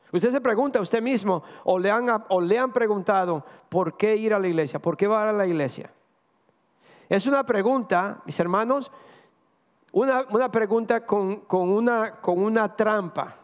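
A man's voice: high voice, long reverb tail. A male pastor from the Caribbean preaching a sermon to his congregation, posing rhetorical questions and restarting phrases as he goes.

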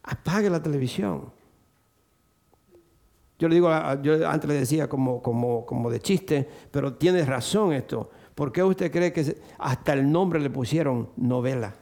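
An older man preaching a sermon to a church congregation, acting out the voices he quotes and rising to high, excited bursts. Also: moderate pace, few pauses.

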